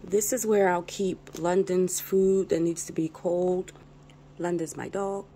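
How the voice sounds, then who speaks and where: Slow-talking, mellow woman vlogger. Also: on the low side, steady tone. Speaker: vlogger, channel host. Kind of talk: casual show-and-tell narration. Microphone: handheld phone. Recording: noticeable background noise on phone recording.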